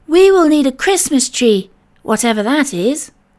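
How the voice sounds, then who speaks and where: Putting on a character voice, a woman speaks in a high pitch at a moderate pace. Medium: read story.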